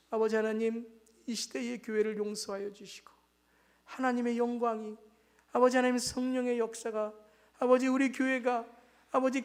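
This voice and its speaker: A man's voice: very high voice, vocal fry. A man leading a congregation in fervent, improvised Christian prayer as a pastor, pleading emphatically with repeated invocations. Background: music.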